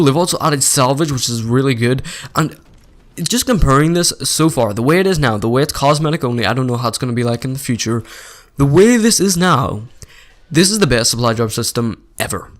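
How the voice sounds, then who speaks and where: Opinionated gaming vlogger man, sore throat. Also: medium pitch. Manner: opinionated, rambling, fillers. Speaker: gaming YouTuber. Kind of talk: casual opinion vlog over gameplay.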